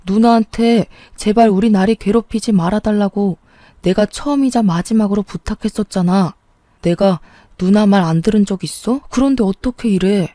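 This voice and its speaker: A woman voicing a desperate young husband who pleads tearfully, in a warm, dry voice. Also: mid-range voice, dry recording, natural voice.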